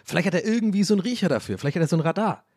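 An animated man from a German village, rambling through a casual story with self-mocking asides. His pitch is a bit high for a man and swoops around a lot. The sound is close and dry. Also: racing, no echo.

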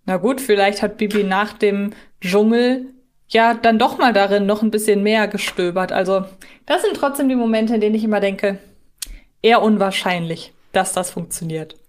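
Female podcast host, average pitch, casual discussion, analytical, thinks aloud and self-corrects. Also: moderate pace.

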